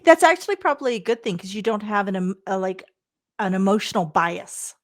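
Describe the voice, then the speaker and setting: A woman hosting a podcast interview, bubbly and energetic, talking with many fillers and restarts. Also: mid-range voice, fairly quick. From Canada. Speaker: podcast host.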